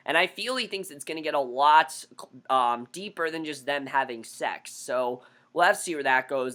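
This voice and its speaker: A man casually reviewing a TV episode, blunt and opinionated, his voice hoarse after being sick. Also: fairly high pitch, sharp tone. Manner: blunt, opinionated, repeats himself. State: hoarse from recent illness.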